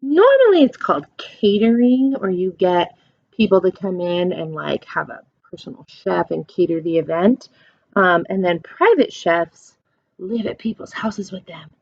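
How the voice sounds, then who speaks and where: A woman doing a children's read-aloud as a teacher, explaining things in simple questions and animated, encouraging asides. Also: lowish voice, measured pace, vocal fry, no echo, muffled recording.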